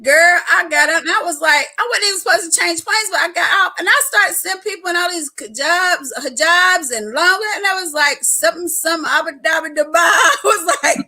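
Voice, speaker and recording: A woman chatting casually on a live stream, telling loud, laughing stories full of frank slang. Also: very high voice, a little fast, hardly any pauses. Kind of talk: casual chat.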